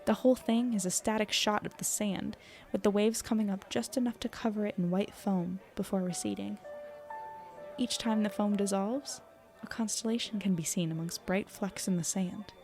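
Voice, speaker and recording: A woman's voice: mid-range voice, steady tone, moderate pace, darkish tone, faint music behind, natural voice. A woman playing an earnest, self-deprecating young podcaster, chatty and descriptive as she narrates her evening in an audio drama. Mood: admiring, composed.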